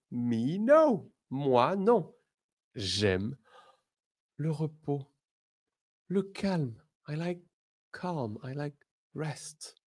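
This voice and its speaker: A male teacher leads a beginner lesson. He speaks very slowly, giving each word room. His pitch swings up and down with lively emphasis. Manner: slow, deliberate, lively, switches between English and French. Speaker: French teacher.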